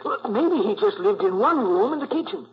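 An actor playing an excitable, hungry detective's sidekick in a 1940s radio drama, with slangy, stammering speech. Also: male voice, high voice, moderate pace. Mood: uneasy. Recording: dull, faintly noisy 1940s radio recording.

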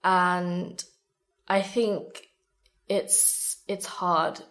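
A woman's voice: fairly low pitch, flat delivery, extremely slow, fairly bright tone. Earnest woman in a candid interview. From born in Sri Lanka, moved abroad aged three or four. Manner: earnest, emphatic, frequent "like". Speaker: guest, beauty content creator.

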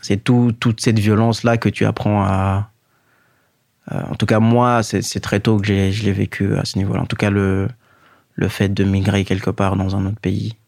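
Low gravelly-voiced man, calm and even. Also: no echo, studio quality. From Guinea. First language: Fula. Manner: measured, pausing often with fillers. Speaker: interview guest. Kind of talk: reflective personal storytelling.

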